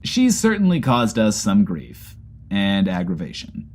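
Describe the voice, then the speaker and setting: A man's voice: on the low side, wildly swooping pitch, a little slow, a little mellow. An actor playing a grandiose, chatty male host of a post-apocalyptic variety show, with bombastic, wordy delivery. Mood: grandiose, bemused. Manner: bombastic, verbose wordplay. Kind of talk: theatrical comedy broadcast monologue.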